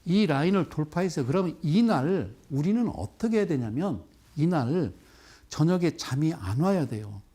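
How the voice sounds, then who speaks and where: A man giving a televised investment lecture as a stock market expert. He talks emphatically and keeps checking that listeners follow with quick rhetorical questions. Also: a little high, husky. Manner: animated, with sudden exclamations and chanted sequences.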